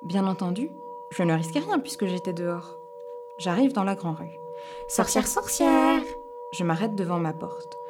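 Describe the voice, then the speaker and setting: A woman storyteller reading a children's tale aloud with lively expression. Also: fairly low pitch, normal speed, over music.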